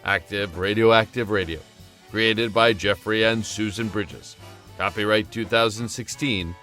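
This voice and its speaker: A man's voice: lowish voice, fairly even intonation, unhurried, bright, forceful tone. A man reading scripted show credits as an announcer. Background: guitar music.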